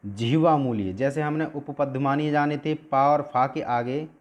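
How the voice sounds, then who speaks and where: A male teacher giving an explanatory lesson at a board. He asks questions and answers them himself, and sounds out each letter slowly to demonstrate. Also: mid-range voice, darkish tone.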